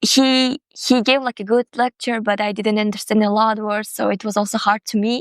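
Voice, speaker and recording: At a fairly quick pace, a woman with a Turkmen accent speaks in a fairly high pitch with fairly even intonation, the sound dry and close with no echo. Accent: Turkmen accent in English, improved. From Turkmenistan. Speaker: former community college student. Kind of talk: interview. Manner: halting, non-native grammar.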